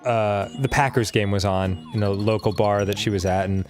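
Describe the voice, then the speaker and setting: A man's voice: lowish voice, fairly even intonation, moderate pace, a little mellow, faint music behind. A man co-hosting a casual let's-play, talking in a laid-back, rambling way and laughing easily. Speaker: co-host.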